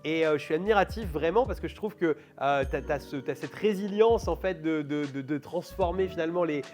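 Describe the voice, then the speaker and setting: A man's voice: on the high side, fairly quick, darkish tone, soft background music. A man hosting an interview, talking in long, rambling turns. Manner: rambling, full of fillers and restarts. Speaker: host. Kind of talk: casual interview chat.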